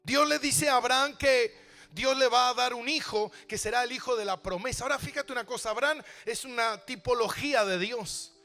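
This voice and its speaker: A man's voice: very high voice, brisk, sharp tone, faint music behind. A man pastor preaching a sermon, asking rhetorical questions and repeating phrases for emphasis. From Argentina.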